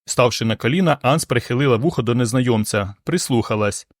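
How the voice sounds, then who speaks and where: Man calmly narrating an audiobook. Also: medium pitch, a little fast, dry recording, studio quality. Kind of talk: scripted narration.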